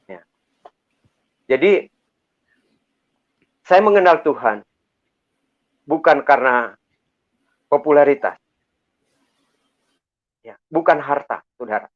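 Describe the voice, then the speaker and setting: A man's voice: medium pitch, animated, takes it slowly, long pauses. A middle-aged man from Makassar giving an earnest, preacherly church testimony, often calling out to his listeners. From Makassar, Indonesia. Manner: earnest, preacherly, repeatedly addresses listeners as brothers. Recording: tinny phone-like sound.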